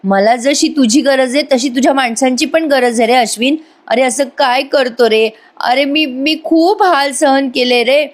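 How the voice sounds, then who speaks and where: A woman's voice: high-pitched, voice pushed up, natural voice. A woman voicing a scheming young woman who pleads tearfully, whining and stammering.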